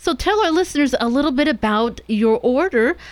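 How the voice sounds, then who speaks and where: A plain, everyday voice with lively intonation at a moderate pace, on a very clean recording with a silent background. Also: woman. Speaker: radio host. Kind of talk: radio interview.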